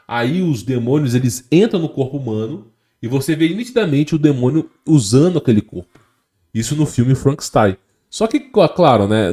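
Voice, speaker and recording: A Brazilian man talks to his audience in a loose, rambling monologue, with a mellow, dark tone in a middle pitch. He often stumbles and repeats words before finishing a thought. He musingly builds up his theories, checking in with his listeners as he goes. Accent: Brazilian Portuguese. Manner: hesitant, repeats words, frequent "tá?" tag questions. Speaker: channel host. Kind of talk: casual monologue to camera.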